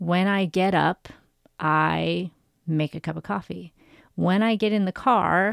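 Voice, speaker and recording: A woman's unremarkable speaking voice, fairly low-pitched and fairly slow, in a dry, close sound with no echo on a very clean recording with a silent background. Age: 40s. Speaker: podcast host and author. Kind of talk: motivational podcast monologue. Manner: upbeat.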